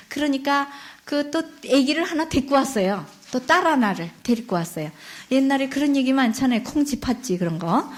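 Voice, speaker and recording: Lively storytelling nun, high voice. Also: female voice. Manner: lively, chatty, asks listeners questions. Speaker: nun lecturer. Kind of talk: Bible lecture storytelling.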